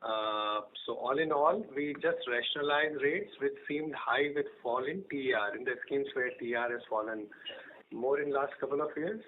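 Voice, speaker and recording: A man with an Indian accent answering questions on an earnings call as a company executive, explaining things in a measured, halting way. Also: medium pitch. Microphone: telephone conference line. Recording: noisy narrow-band phone conference line.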